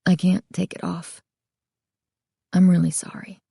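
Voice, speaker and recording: A woman reading aloud, voicing a quiet, sorrowful male mask maker who speaks softly, close to a whisper. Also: lowish voice, fairly even intonation, a little slow, gravelly, dry recording. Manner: soft, hushed, half-whispering.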